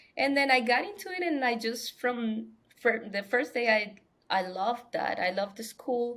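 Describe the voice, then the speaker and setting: A woman speaks at a fairly high pitch with lively intonation. She talks with a Spanish accent. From Colombia. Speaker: biomedical technician and YouTuber. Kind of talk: podcast interview. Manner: halting, many false starts.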